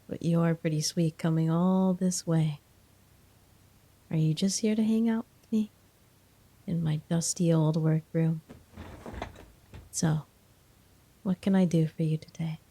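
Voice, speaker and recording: A woman playing a flirty, teasing college professor in a soft, breathy ASMR role-play. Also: low voice, measured pace, pauses often, no echo, exaggerated voice. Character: teasing, flirty female college professor, firm but amused.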